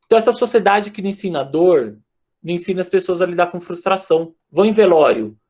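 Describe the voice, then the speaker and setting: A man with a Brazilian accent delivers an informal lecture over a video call. His delivery is conversational and animated, and he keeps addressing his listeners directly as he talks. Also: high-pitched, quick pace. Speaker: speaker at an online lecture.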